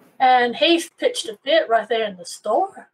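This is a woman with a Southern US accent. Her pitch is high. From US South. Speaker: tech community owner. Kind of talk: live-streamed panel chat.

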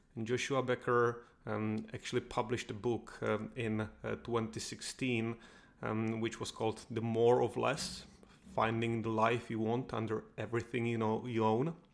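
A man with a non-native accent and a medium pitch speaks at a moderate pace in a flat monotone. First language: not English. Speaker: solo podcast host on minimalism. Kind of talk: solo podcast monologue. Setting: home recording with street noise. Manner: halting, many fillers.

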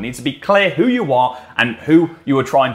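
Noticeable background noise runs through the clip. A man speaks with very wide pitch swings. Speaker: YouTube business educator. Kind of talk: casual, instructional. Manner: fast talker.

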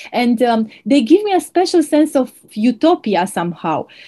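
Speaking with a Romanian accent, a woman uses a high, dark, mellow voice at a moderate pace. Her pitch swings very widely against a quiet background. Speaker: podcast interviewer. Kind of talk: interview. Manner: halting.

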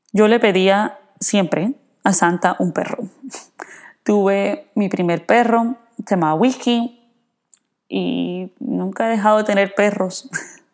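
A woman's medium-pitched voice, with ordinary pitch variation, proceeds very slowly through long, frequent pauses. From Colombia, Cartagena (Caribbean coast). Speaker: veterinarian podcast host. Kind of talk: personal storytelling monologue. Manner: animated, chatty.

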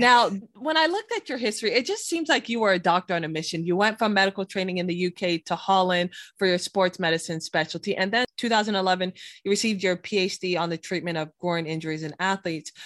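Here a woman speaks at a medium pitch with ordinary pitch variation and a fairly quick pace. It is an ordinary speaking voice, dry and close with no echo, over a quiet background. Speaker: podcast host, sports medicine clinician. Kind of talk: casual interview chat.

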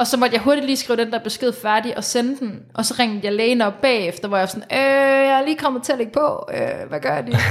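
A woman speaks at a very fast pace with hardly any pauses, her high voice showing ordinary pitch variation. Noticeable background noise runs under her. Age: 20s. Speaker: cancer survivor. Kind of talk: personal testimony interview. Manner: hesitant, many filler sounds.

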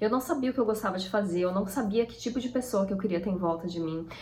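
Speaking with a São Paulo accent, a woman shows ordinary pitch variation. Noticeable background noise and audible room echo fill the recording. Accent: Brazilian Portuguese, São Paulo (paulistano). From Brazil, São Paulo area (Mauá). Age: 30s. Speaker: YouTuber. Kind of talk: personal vlog monologue.

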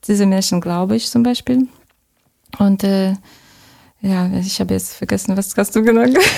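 A woman's medium-pitched voice at a moderate pace, broken by long, frequent pauses. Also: ordinary pitch variation. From Russia, St. Petersburg. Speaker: nature enthusiast. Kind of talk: interview. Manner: halting.

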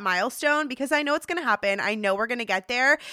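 Lively intonation and an animated tone mark this woman's fairly high voice. Her bright, sharp tone comes through in a dry, close sound with no echo. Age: 30s. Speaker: productivity podcast host. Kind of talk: casual solo podcast monologue.

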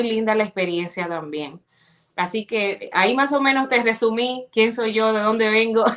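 An unremarkable speaking voice with ordinary pitch variation. It moves at a fairly slow pace. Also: woman. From Dominican Republic, Santiago. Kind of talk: interview.

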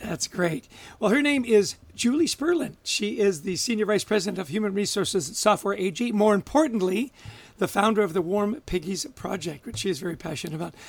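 A man talks with a high pitch and lively intonation. His pace is fairly quick. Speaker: podcast co-host. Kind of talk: casual interview chat.

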